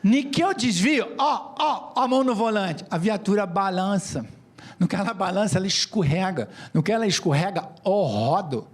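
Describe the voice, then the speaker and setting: A man's voice: high-pitched, expressive, normal speed. A man voicing a stubborn, cocky Rio taxi driver, slangy and insistent. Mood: explaining. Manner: slangy, insistent, matter-of-fact.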